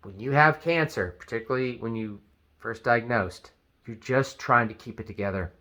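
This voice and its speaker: A man talking to camera in an advice video, animated and acting out what people say. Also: medium pitch, normal speed. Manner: animated, acts out quoted speech. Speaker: vlogger.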